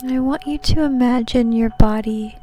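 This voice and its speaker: A woman leading a guided meditation in a soothing, gentle, unhurried manner. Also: fairly high pitch. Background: soft background music.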